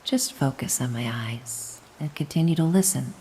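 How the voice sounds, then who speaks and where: A woman playing a gentle, doting, mysterious caretaker in a soothing hypnosis roleplay, coaxing and reassuring the listener. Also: extremely low pitch, expressive, moderate pace, a little hiss or hum, low-quality recording. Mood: hypnotic, tender. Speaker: hypnosis audio performer.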